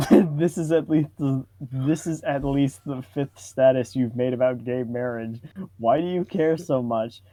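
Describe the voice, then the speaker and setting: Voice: medium pitch, unhurried, mellow, dry recording, rough recording. A person reading social media posts aloud among friends in a giggly manner, often breaking into laughter.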